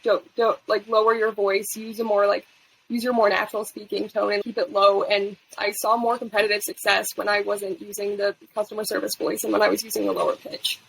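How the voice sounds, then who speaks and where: Young woman with a husky, gravelly voice. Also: medium pitch, no echo, low-quality recording. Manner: casual, with fillers. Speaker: panelist. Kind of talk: casual panel discussion.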